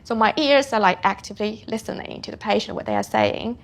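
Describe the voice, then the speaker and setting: A woman's voice: mid-range voice, a little fast, vocal fry. A woman speaking as a physician in an interview, explaining how she works.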